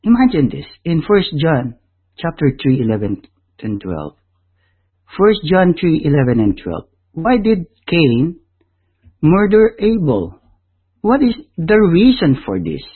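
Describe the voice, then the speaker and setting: A man from the Philippines with a Filipino accent, preaching a sermon, whose first language is Tagalog. He speaks emphatically, with loud high stresses that drop low at the ends of phrases. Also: big pitch swings, a little slow, husky. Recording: tinny phone-like audio.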